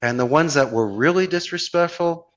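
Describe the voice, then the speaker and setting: A man's voice: fairly high pitch, normal speed. Philadelphia man in earnest motivational conversation. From Philadelphia, United States. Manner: earnest, flowery, motivational talk full of rhetorical questions. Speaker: podcast guest, call center owner. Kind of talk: conversational podcast interview, motivational anecdotes.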